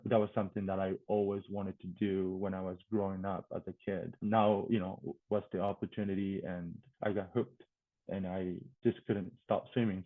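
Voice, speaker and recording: A man from Japan with a Japanese accent, answering casually as an interview guest, with hesitant phrasing and searching pauses. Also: deep voice, dry recording. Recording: thin phone-like call audio.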